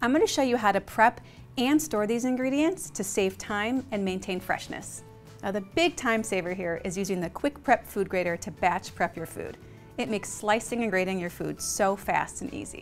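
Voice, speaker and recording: Moderate-paced speech over faint background music. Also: woman. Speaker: cooking show host. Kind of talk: tutorial. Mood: warm, upbeat. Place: kitchen. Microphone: lapel.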